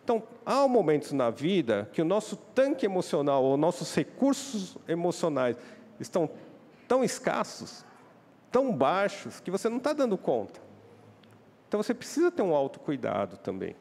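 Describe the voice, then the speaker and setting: A man's voice: a little high, wildly swooping pitch, moderate pace, a little mellow. Brazilian preacher man in a reverberant hall. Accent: Brazilian Portuguese. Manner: questions the congregation, acts out quoted voices. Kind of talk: sermon. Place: church hall.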